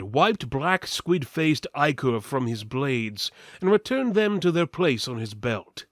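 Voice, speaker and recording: A man's voice: mid-range voice, dry recording, studio quality. A man giving a dramatic, mock-epic reading of a fantasy tale as its narrator. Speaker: narrator, reader.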